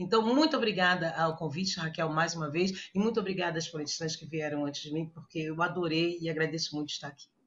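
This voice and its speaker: A woman talks at a very fast pace with hardly any pauses. Her voice is fairly low and somewhat breathy. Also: ordinary pitch variation. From Rio de Janeiro, Brazil. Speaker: actress. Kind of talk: webinar talk.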